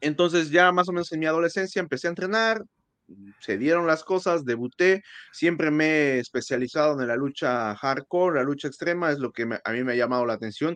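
Against a quiet background, a man speaks fairly quickly at a fairly high pitch. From Mexico, Hidalgo (Santiago Tulantepec). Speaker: professional wrestler. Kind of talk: interview. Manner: halting, with frequent repetitions.

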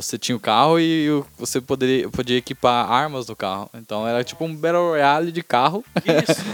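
A fairly high-pitched man's voice at a fairly quick pace with ordinary pitch variation, dry and close with no echo, in a very clean recording over a silent background. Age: 20s. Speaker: podcast host. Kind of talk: casual chat. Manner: animated.

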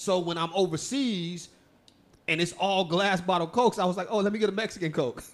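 A man with an American accent talks at a high pitch in an animated tone. His pace is fairly quick, with ordinary pitch variation. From Texas. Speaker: podcast host. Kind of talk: casual chat. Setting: live stream.

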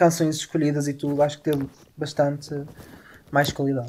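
The man's voice has a fairly high pitch. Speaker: podcast co-host. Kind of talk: casual chat.

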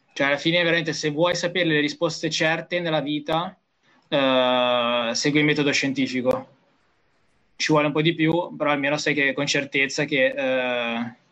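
A man's fairly high voice with a bright, sharp tone, fairly even intonation, very even loudness and a moderate pace. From Genoa, Liguria, Italy. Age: 20s. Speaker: digital marketing consultant. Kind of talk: live Q&A panel chat about ad campaigns.

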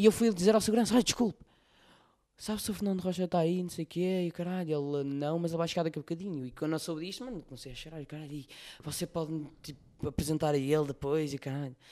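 A man talks at a very fast pace in a fairly high pitch with ordinary pitch variation. His loudness swings widely on a very clean recording with a silent background. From northern Portugal. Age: 20s. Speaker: comedian. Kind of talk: casual chat.

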